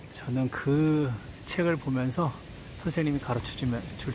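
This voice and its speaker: A man talks fairly slowly, with noticeable background noise in the clip. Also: dry sound with no echo. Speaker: local resident vlogger. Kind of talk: casual vlog chat. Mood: relaxed, chatty. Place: forest. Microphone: phone near.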